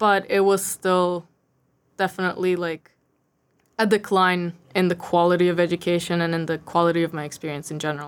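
Her pitch is fairly low for a woman. The intonation is monotone and flat. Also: very clean recording, silent background. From Istanbul, Turkey. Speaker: college student. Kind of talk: interview.

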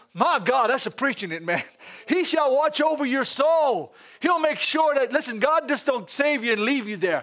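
Lively intonation at a moderate pace. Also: man. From Louisiana. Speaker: pastor. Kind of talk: sermon. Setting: church. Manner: animated, preacherly, call-and-response; repetitive, emphatic, urgent.

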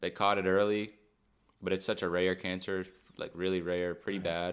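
Flat and monotone, the voice carries an American accent in a very clean recording with a silent background. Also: man. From western Pennsylvania, Beaver Falls near Pittsburgh. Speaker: musician. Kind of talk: casual chat.

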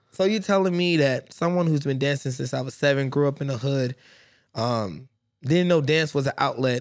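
In an ordinary speaking voice, a man with an American accent talks at a moderate pace and a fairly high pitch, recorded very cleanly against a silent background. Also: ordinary pitch variation. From South Florida. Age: 20s. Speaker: street dancer. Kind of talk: casual chat.

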